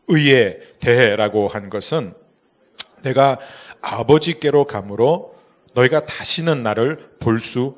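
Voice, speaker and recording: A male pastor preaching a sermon, swinging between loud emphatic calls and soft, hushed asides. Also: medium pitch.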